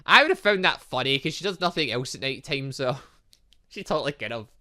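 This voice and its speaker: A male gaming host with a bright, forceful voice. His pitch moves around a lot as he reads game text aloud and drops in chatty comments. He occasionally stumbles on a word and carries on. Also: lively intonation, a little fast. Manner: stumbles over long words, chatty asides. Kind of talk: let's play, reading game dialogue aloud with commentary.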